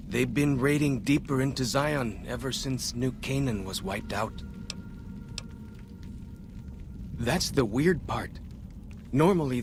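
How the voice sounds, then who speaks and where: A man playing a young, earnest tribal scout and guide in a video game, plain-spoken with simple, slightly halting phrasing. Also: medium pitch, noisy background, lightly acted. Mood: frank, chatty. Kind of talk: video game cutscene dialogue.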